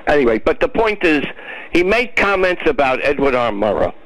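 A blunt, gruff man from New York rants on a call-in radio show. His pitch swings widely, and his voice sits a touch high for a man. The sound is dry and close. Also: sing-song, normal speed, a bit bright, no echo, poor audio. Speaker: caller.

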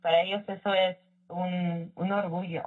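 A woman's voice: lowish voice, little pitch movement, normal speed. A woman raised in the Chicago area, telling her own story as a guest in an interview, reflective and mixing in English phrases. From Chicago area, United States. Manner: reflective, with frequent fillers and English phrases mixed in. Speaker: scholarship recipient guest. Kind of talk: casual personal story in an interview. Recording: far-off tinny phone-like line.

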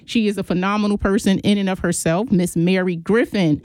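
A woman's voice: mid-range voice, fairly even intonation, fairly quick, a little mellow, no room sound. A woman hosting a radio program, reading event announcements in an upbeat promotional way and welcoming a guest. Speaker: radio show host for a business chamber. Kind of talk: reading announcements, then interviewing.

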